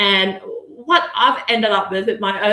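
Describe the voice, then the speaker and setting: Clear background noise accompanies a woman whose intonation moves a lot. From Malaysia, Seremban. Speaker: chef. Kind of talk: live cooking demo. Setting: live video stream.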